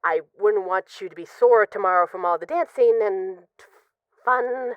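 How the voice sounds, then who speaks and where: A woman's voice: medium pitch, no room sound, muffled recording, natural voice. A woman playing a possessive, lovesick mafia boss in an intimate, conversational audio roleplay of voicemails. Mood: hesitant, jealous. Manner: conversational, teasing, halting when emotional.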